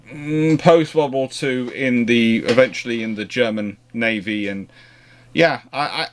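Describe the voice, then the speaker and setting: Discursive man answering audience questions. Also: mid-range voice. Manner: discursive, halting, often rephrasing mid-sentence. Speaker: naval history livestream host answering questions. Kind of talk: informal question-and-answer talk.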